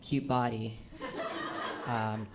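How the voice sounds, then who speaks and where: A young trans man telling self-deprecating stand-up stories on a comedy club stage, halting often with ums and uhs. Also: little pitch movement. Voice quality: fairly low, manly voice. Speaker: stand-up storyteller. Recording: live club recording with audience noise. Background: audience laughter.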